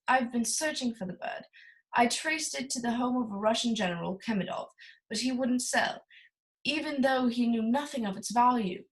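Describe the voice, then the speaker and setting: A woman's voice: on the high side, natural voice, low-quality recording. A woman playing a courtly, greedy and obsessive middle-aged crime boss in a noir radio play, speaking in a formal, grandiose way. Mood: obsessed. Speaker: voice actor. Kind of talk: 1940s film noir radio acting.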